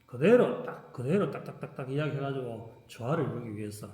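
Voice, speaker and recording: A man teaching a qigong class, emphatic, dropping to a softer voice when acting out thoughts. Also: medium pitch, lively intonation, brisk, echoey room. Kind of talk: lecture to a class.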